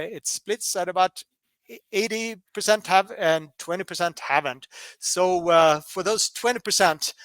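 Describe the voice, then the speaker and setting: A man from Colorado presenting a workshop webinar, halting with many fillers and restarts. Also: high-pitched, a bit bright, clean tone, no room sound.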